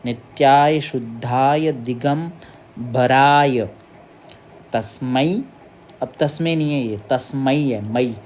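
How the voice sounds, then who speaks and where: A man teaches a Sanskrit stotram. He splits the words syllable by syllable and then chants them slowly and melodically. He asks his own questions and answers them himself. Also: medium pitch, a little mellow, a little hiss or hum.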